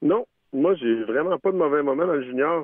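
A man talks at a fairly quick pace with ordinary pitch variation, his voice dry with no echo against a quiet background. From Quebec. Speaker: former hockey player; guest or host on sports radio show. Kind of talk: casual chat. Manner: animated. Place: studio.

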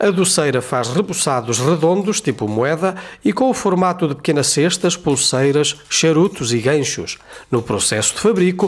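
A man's fairly high voice with very wide pitch swings, very even loudness and a moderate pace. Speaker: news reporter. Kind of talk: news narration.

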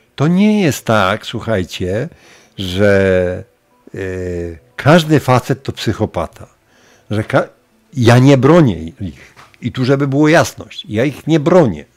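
Very slow speech from a man, very wide pitch swings, long, frequent pauses, and faint music in the background. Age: 50s. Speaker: gaming streamer. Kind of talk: live stream commentary. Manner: animated. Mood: serious, opinionated discussion. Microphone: headset.

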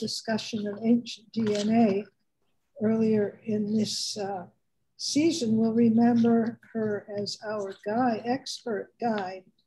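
Somewhat breathy, a woman talks at a very slow pace. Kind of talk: introduction of a guest speaker. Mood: warm, friendly. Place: home room. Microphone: video call.

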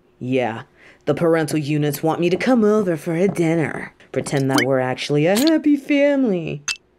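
A woman speaks at a fairly low pitch with very wide pitch swings. Her pace is moderate and her loudness very even. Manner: angry, shouting, threatening.

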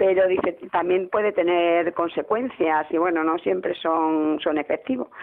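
Speaking fairly slowly, a woman has a medium pitch and an unremarkable speaking voice. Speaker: caller. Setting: phone call.

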